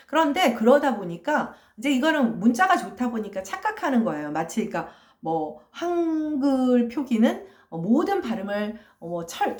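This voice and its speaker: A woman lecturer talks through her material in a patient, explanatory way. She fills pauses with short hesitations and keeps asking her students whether they follow. Her voice moves animatedly up and down and rings in a reverberant room. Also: a little high. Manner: explanatory, frequent fillers and tag questions. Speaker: university lecturer. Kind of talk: recorded phonology lecture. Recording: echoey room.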